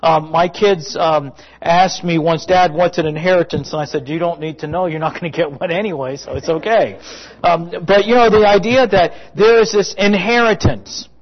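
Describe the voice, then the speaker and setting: A man in his fifties preaching a conversational sermon, rambling and halting through family stories with folksy asides to the congregation. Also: a little high, steady tone, lo-fi sound. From South Florida.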